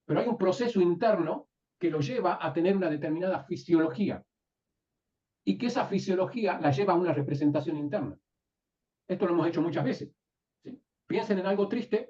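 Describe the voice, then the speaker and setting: A man teaching a live class, often pausing to ask his students whether they follow. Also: sits high, mellow. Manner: asks the class frequent checking questions. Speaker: NLP teacher. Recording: distant, dull lo-fi room recording.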